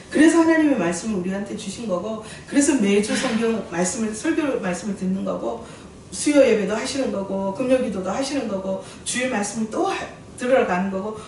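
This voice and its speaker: A middle-aged woman, preaching a sermon as a missionary in lively storytelling with jokes for the congregation. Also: fairly high pitch, a little hiss or hum. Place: church sanctuary. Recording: very echoey church hall, distant mic.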